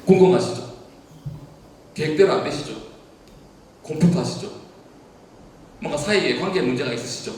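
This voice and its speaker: A man's voice: fairly high pitch, lively intonation, normal speed, pauses often, darkish tone, a little hiss or hum. A man preaching as a pastor, asking the congregation question after question. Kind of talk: sermon. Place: church hall. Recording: echoey hall, voice from far off.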